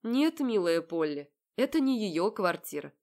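A woman reading the part of a calm, serious young man who speaks slowly and evenly in an audiobook. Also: medium pitch. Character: calm, self-assured young man kidnapping his fiancée's sister.

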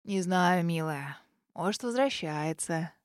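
A woman's voice: on the low side, animated, slow, dry recording, clean studio sound, pitched below the performer's own voice. A woman voicing an old male house spirit who grumbles and whispers in folksy speech. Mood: soothing.

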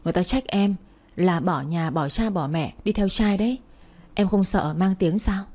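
A woman's voice: lowish voice, normal speed, a little mellow, natural voice. A woman voicing a stern young man who keeps scolding and urging his girlfriend, in a storybook reading. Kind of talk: storybook narration.

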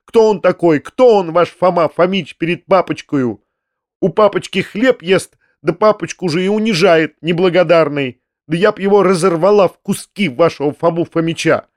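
Man voicing a defiant young girl, raised pitch. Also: no echo, clean studio sound, lightly acted. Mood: reckless fury. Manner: loud, vehement, rapid insults. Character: defiant, impassioned young girl defending her papa.

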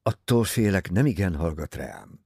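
A man gives voice to a shrewd older detective in an audiobook, low and hushed, measured and musing. The tone is husky with some gravel. The sound is dry and close. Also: sing-song, no echo, full character voice. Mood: calm.

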